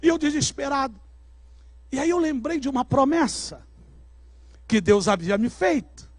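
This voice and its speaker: A Brazilian male pastor with a strikingly high voice tells a story from the pulpit. His delivery is dramatic and swells into shouts at the peaks. The sound is close and dry, with almost no room echo. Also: lively intonation, normal speed. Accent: Brazilian Portuguese. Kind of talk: sermon testimony. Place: church service.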